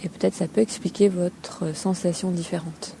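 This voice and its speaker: A woman with a fairly low, creaky voice leads an unscripted body scan as a Feldenkrais teacher, speaking softly and calmly in short phrases broken by hesitant pauses. She is outside by a calm sea, where steady waves and a few seagulls fill the background.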